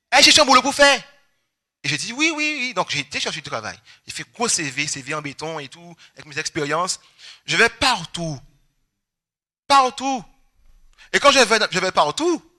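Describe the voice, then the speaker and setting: Bright-voiced young preacher telling his story. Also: fairly high pitch. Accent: Guadeloupean French. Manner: animated storytelling, acting out family members. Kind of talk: testimony sermon.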